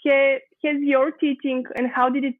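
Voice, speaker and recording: A woman whose first language is Bulgarian hosts a podcast interview, asking halting, searching questions. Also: sits high, flat delivery. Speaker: podcast host. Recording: tinny phone-like call audio.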